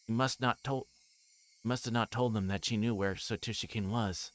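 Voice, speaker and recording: At a moderate pace and fairly low pitch, a streamer reads a visual novel out loud live, pausing for asides. When he fumbles a line, he goes back and corrects it. There's a steady noise in the recording.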